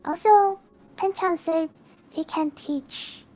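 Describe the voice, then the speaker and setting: A soft-spoken woman guest chatting casually, quiet and giggly. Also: extremely high pitch, slow. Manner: soft-spoken, giggly, does not shout. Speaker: guest streamer. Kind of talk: casual chat.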